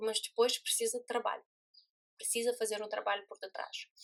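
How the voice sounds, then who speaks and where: Her voice is high-pitched as this woman talks at a moderate pace. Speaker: hypnotherapist. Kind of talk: spiritual self-help talk. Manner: halting.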